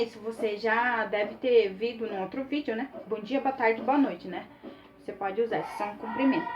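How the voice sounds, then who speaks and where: A woman talks through a relaxed online language lesson, filling her sentences with little fillers as she encourages her students. Her voice sits a little high. The sound is dull and lo-fi, with faint music playing underneath. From Mato Grosso do Sul, Brazil. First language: Guarani. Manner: chatty, many fillers, encouraging. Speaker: Guarani language teacher.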